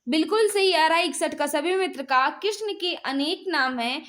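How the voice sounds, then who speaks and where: Female Indian teacher, high-pitched, for exam quiz lesson; instructional delivery that keeps prompting students to answer. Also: moderate pace, fairly bright tone. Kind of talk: live exam quiz lesson, reading questions and giving answers.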